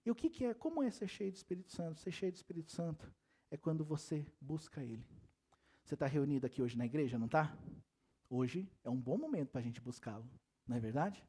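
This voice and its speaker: A pastor with a fairly high, mellow, slightly rough voice delivers a lively sermon in church at a fast, animated clip. He addresses the congregation directly, firing off rhetorical questions and laughing and joking throughout.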